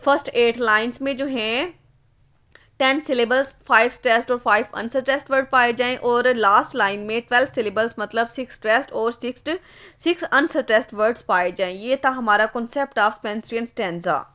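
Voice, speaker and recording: A woman's voice: a little high, normal speed, fairly bright tone. A woman giving an online English literature lesson, explaining patiently and reading words out one at a time. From Pakistan. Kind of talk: online lecture.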